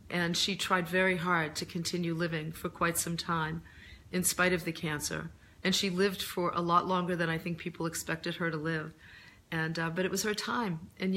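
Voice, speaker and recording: A middle-aged woman speaks in a low voice, deepened as she recovers from laryngitis. She talks informally to online viewers, reflective and earnest, often halting as she finds her words. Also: a bit bright. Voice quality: voice deeper than usual. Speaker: host of a live stream, author and coach. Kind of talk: casual live chat answering viewer questions.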